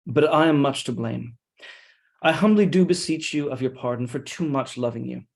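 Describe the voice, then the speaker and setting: A man reading a scheming, deferential soldier in Shakespeare, with measured, insinuating, mock-humble delivery. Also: mid-range voice, gravelly, natural voice. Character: scheming deferential soldier feeding his lord's suspicion. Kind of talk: Shakespeare read-along.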